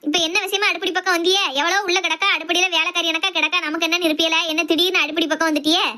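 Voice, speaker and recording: A woman playing a sharp-tongued middle-aged housewife and strict mother, talking sarcastically. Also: very high-pitched, flat delivery, rapid-fire. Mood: scolding. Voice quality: scolding, sarcastic. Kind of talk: comic family skit.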